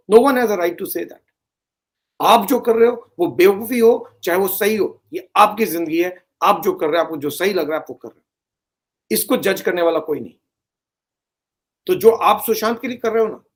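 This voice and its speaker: A man giving earnest, pleading commentary to his audience, slipping English phrases into his talk. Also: high voice. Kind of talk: earnest direct-to-camera commentary.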